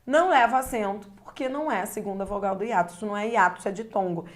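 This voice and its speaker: A woman's voice: medium pitch, rapid-fire. A woman teaching a video grammar lesson, explaining step by step and checking that the listener follows. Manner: explanatory, checks understanding with tag questions.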